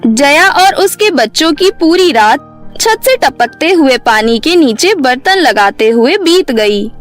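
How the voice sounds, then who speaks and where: Slow, very high-voiced woman storyteller. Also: lively intonation, faint music behind. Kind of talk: scripted children's story narration.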